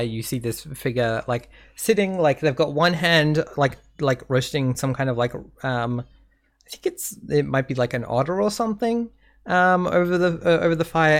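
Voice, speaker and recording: A man narrating as game master of a tabletop role-play, halting with many fillers. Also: on the high side, animated, fairly bright tone.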